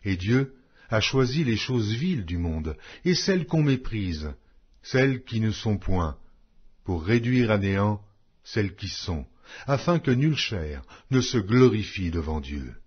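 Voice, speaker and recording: Deep-voiced man reading scripture slowly. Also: very animated, breathy edge, highs cut off. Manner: measured, declamatory, with deliberate pauses. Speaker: audiobook narrator of scripture. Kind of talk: solemn scripted Bible reading.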